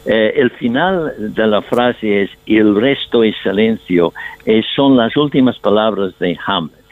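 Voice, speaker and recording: A man's voice: on the low side, a little slow, no echo. An older man, a stage actor speaking Spanish as a second language, answering interview questions in a thoughtful, storytelling way. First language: not Spanish. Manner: thoughtful, storytelling, slightly non-native Spanish phrasing. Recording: tinny phone line, dry.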